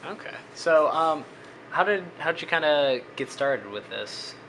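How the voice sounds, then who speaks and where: A man's voice: on the high side, a little slow, low-quality recording. Casual, hesitant male interviewer. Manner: casual and hesitant, many ums. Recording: steady air-conditioning hum.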